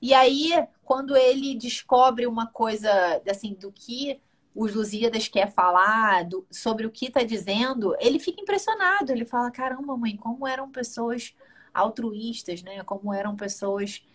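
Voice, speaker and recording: A woman's voice: fairly high pitch, moderate pace. A woman with a Brazilian accent, a guest in a casual interview who talks at length and keeps checking that the listener is following. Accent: Brazilian Portuguese.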